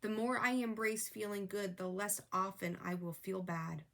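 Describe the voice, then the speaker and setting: A woman's voice: medium pitch, steady tone, moderate pace, a bit bright. A woman reading tarot who talks straight to viewers in an earnest, coaching way, repeating her advice, with a voice that is wearing thin. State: losing her voice, clearing her throat. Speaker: tarot reader. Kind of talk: casual spiritual tarot reading.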